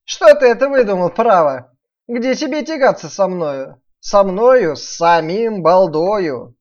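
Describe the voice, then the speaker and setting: A woman's voice: mid-range voice, expressive, unhurried, a little mellow, close to an everyday voice. Storybook peasant trickster, a man played by a woman: brash, taunting, swooping intonation, dull sound. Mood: mocking. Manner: taunting, commanding. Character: cunning brash peasant workman, mocking and bossy. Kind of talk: dramatised fairy-tale reading.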